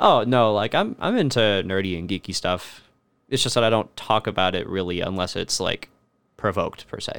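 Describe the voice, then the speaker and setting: Recorded very cleanly against a silent background, a man with an American accent speaks at a moderate pace with ordinary pitch variation. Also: fairly low pitch for a man. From Alabama, US South. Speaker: music education student. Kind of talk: casual chat. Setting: studio.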